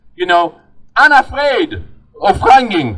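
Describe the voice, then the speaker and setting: A man with a French accent and lively intonation. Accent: foreign accent, French-tinged. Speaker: political candidate. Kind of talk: political speech.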